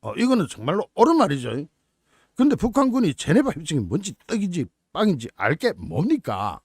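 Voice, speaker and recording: A man's voice: high voice, huge pitch swings, a little fast, a little mellow, slightly rough, no echo, studio quality. A man hosting his own channel, commenting on the news in a mocking, incredulous way. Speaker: political YouTube channel host.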